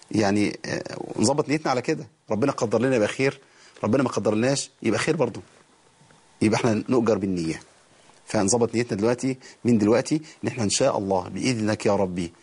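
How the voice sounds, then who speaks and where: Fast-talking Egyptian man teaching recitation. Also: lowish voice, darkish tone, husky. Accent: Egyptian Arabic. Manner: explains rules in quick colloquial speech, then recites verses slowly and drawn out. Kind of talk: TV recitation lesson.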